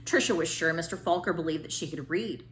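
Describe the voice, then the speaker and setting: A woman narrating a children's storybook as a read-aloud storyteller, with dramatic, deliberate phrasing. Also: sits low, a little hiss or hum. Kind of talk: expressive scripted storybook narration.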